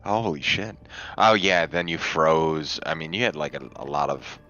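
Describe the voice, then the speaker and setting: A man's voice: rumbling low, normal speed, bright, forceful tone, dull audio. A man playing a tabletop game, bantering casually in a wry, profane way.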